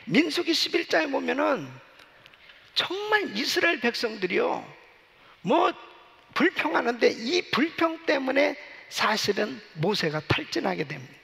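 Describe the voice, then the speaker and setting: A man's voice: very high-pitched, very animated, measured pace, gravelly, sharp tone. A male pastor preaching a sermon in a church sanctuary, telling stories animatedly with frequent asides to the congregation. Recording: long church reverb.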